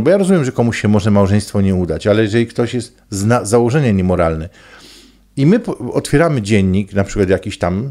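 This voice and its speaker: A man's voice: medium pitch, dark tone. A middle-aged man, a coach speaking in an emphatic, preachy and colloquial monologue to camera. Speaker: coach and trainer. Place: small indoor room. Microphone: desk microphone close in front.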